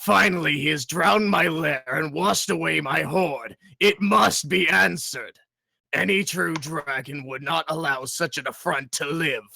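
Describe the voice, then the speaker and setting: Slow, gravelly, menacing dragon. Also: male voice, bright, forceful tone, dry recording, exaggerated voice. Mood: cold menace. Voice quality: gravelly, booming. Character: huge ferocious old green male dragon, disdainful, menacing. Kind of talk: dramatic audio story acting.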